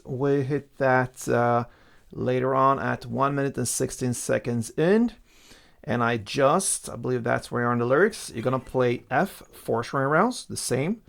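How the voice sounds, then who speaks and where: Gravelly-voiced man teaching guitar. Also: medium pitch. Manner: instructional, counts out strumming strokes. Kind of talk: casual step-by-step tutorial instruction. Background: acoustic guitar playing.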